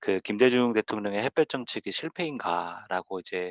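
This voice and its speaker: Soft-spoken and fairly slow, a man uses lively intonation in a dry, close recording with no echo. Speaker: local politician. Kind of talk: audience question at online talk.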